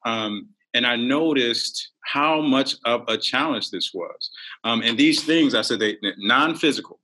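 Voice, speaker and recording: A man guest telling motivational stories in an energetic, animated way with frequent ums. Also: mid-range voice, a little slow, low-quality recording. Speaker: guest author. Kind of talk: motivational storytelling.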